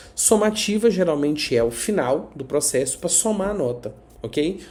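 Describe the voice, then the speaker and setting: Audible room echo surrounds a man whose tone is dark and mellow. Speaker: teacher preparing candidates for a public exam. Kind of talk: lecture.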